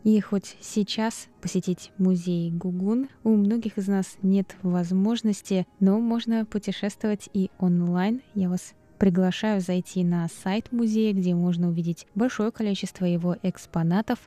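Mellow female public radio host. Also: medium pitch, steady tone, normal speed, few pauses, dry recording. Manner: addresses listeners directly in an explanatory storytelling way. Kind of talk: scripted public radio host presentation of a cultural programme. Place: radio studio.

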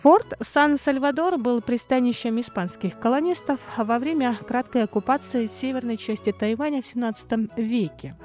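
A woman hosting a radio program, reading a scripted feature in a measured, even newsreader manner. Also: on the high side, soft background music. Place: radio studio. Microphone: studio microphone.

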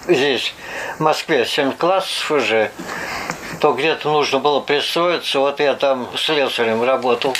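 An older man from Russia recalling his early life for an oral history interview, unhurried and pausing often to gather his thoughts. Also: a little high, fairly bright tone, slight background noise, rough recording. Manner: unhurried recollection with hesitations and "вот" asides.

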